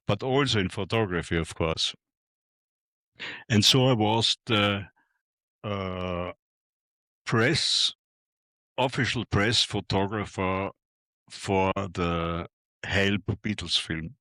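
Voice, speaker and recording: An older Austrian man with a German-speaking accent, telling stories to an audience in hesitant, halting English with many fillers. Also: low voice, a bit bright, no room sound, clean studio sound. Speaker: guest photographer. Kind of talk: speech to an audience.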